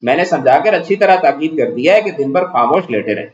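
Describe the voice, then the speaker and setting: A man voicing a calm, polite family doctor as he reads a play aloud in class, formal and reassuring. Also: fairly high pitch, lightly acted. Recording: echoey room, dull lo-fi sound.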